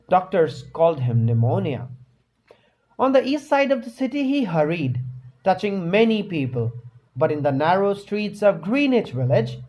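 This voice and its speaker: A man narrates a scripted short story in a high voice. His pace is slow and deliberate, and he dramatizes the telling as a storyteller would. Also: a little mellow, poor audio.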